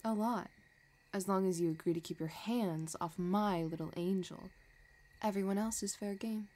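A woman playing a possessive, scheming villain in a romantic audio roleplay, talking in a soft, teasing, calculating way. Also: medium pitch, moderate pace, natural voice. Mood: teasing, sly. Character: possessive, scheming female villain obsessed with her crush.

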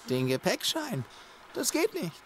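A man's voice: sits high, huge pitch swings, unhurried, heavily acted. An actor playing a creepy, wheedling male killer in a radio play, coaxing and giggling, swinging into panic. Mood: gloating.

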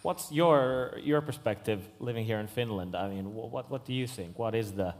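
A man's voice: mid-range voice, normal speed. Hesitant young male moderator. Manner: hesitant, stumbling over words. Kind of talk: panel moderation. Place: large stage hall. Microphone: handheld. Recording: long hall reverb.

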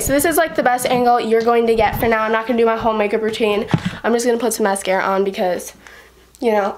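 Teenage girl, slightly high voice, casual rambling vlog chat, sick with a cold, close camera mic, bedroom. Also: slight background noise. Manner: rambling, heavy use of "like". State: sick with a cold and sore throat. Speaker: vlogger. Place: bedroom indoors. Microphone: camera mic close in front of speaker.

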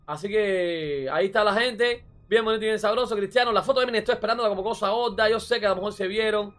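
Streamer, male, high-pitched, chatty and repetitive, light music bed. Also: quick pace. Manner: excitable, repeats phrases, says "bro" often. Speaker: reaction streamer. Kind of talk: casual reaction commentary.

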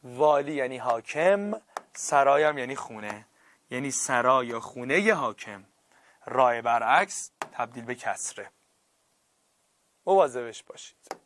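A male teacher giving a classroom grammar lesson, stretching key words out slowly for emphasis and checking often that students follow. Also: medium pitch, expressive, a bit bright, slight background noise.

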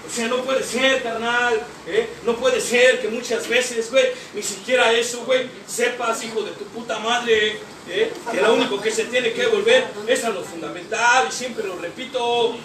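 High-voiced profane Mexican man in echoey hall. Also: recorded from a distance. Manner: profane, rhetorical, keeps tagging lines with slang and "eh?". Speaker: speaker sharing at a recovery group meeting. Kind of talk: impassioned testimony from a podium. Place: meeting hall. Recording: echoey hall, recorded from afar, noisy.

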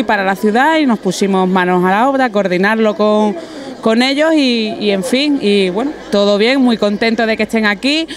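A woman from a chamber of commerce interviewed outdoors at night, speaking with many restarts and repeated words. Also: medium pitch. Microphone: handheld mic held by interviewer.

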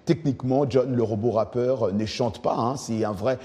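A man's voice: mid-range voice, moderate pace, mellow, big-room sound. A man presenting TV news in a studio, reading items with chatty asides and fillers. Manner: chatty, uses fillers like "hein".

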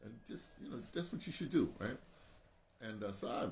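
An American video blogger in his sixties, once a radio man, speaks in a medium-pitched, expressive and slightly mellow voice as he rambles to his phone camera. He stops and starts, drifts between topics, and repeats phrases along the way. The phone sits at arm's length in a small painted indoor room, capturing clear audio with background ambience.

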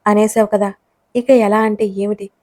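Woman narrator playing a quick-tempered young woman, scolding. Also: medium pitch, level tone, no room sound, lightly acted. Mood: hurt. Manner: sharp and scolding.

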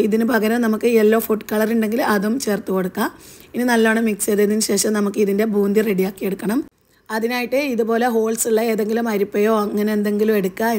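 A woman's voice: medium pitch, darkish tone. A woman with a Malayali accent, hosting a home cooking channel and narrating a recipe step by step in a chatty way with small fillers.

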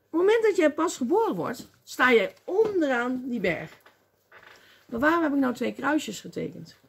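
A woman preaching a lively sermon, acting out voices and crying out at times. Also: sits high, normal speed, creaky. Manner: animated, acts out voices and cries out.

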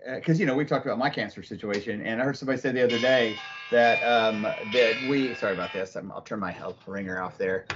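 A man's voice: on the low side, quick pace, hardly any pauses, noisy background. A middle-aged man co-hosting a casual video-call chat, rambling and asking questions. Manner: conversational, rambling, asks questions. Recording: dull video-call audio.

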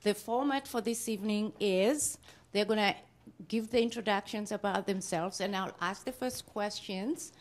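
Middle-aged lady hosting a panel, friendly upbeat voice, mid pitch, handheld mic. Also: moderate pace. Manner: welcoming, upbeat. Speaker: class host. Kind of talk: moderating a panel. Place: classroom.

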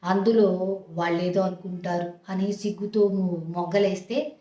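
A woman's voice: fairly low pitch, fairly even intonation, moderate pace, mellow, muffled recording. A woman giving frank relationship advice to young wives in a motherly way, often checking that listeners understand. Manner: motherly, addresses listeners as "amma". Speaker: advice channel host. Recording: echoey room.

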